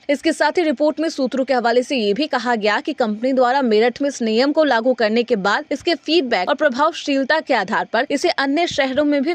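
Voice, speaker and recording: A woman anchor reading a scripted news report in a formal, steady delivery. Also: high voice, dry recording.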